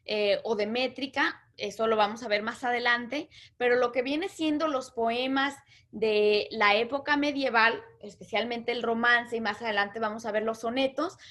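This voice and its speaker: A woman teaching a literature lesson, patiently explaining terms and slowly counting out syllables. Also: a little high, fairly bright tone.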